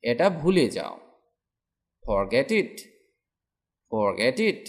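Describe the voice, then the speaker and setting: A man teaching English, saying a sentence in Bengali and then repeating its English version twice, slowly and clearly. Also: medium pitch, very animated. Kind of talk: slow drilled sentence practice.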